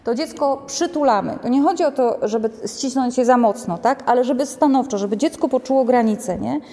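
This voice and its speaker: Lively woman lecturing in a reverberant hall. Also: a little high, a little fast. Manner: conversational, ends many sentences with a checking "nie?"; animated, acts out quotes. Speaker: lecturer on child behavior. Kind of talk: lecture to a group.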